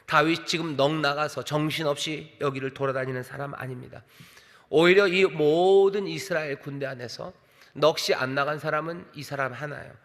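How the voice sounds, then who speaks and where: Bright-voiced male pastor preaching in a hall. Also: a little high, moderate pace. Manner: expressive preaching, acting out quoted dialogue. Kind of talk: sermon. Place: large church sanctuary. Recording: church sanctuary with long reverb.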